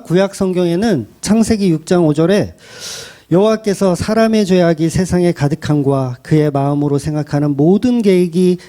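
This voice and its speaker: Pastor guy preaching, mellow dark tone, very animated, blunt and salty. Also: high-pitched. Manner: blunt and colloquial, with rhetorical questions. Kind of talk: sermon.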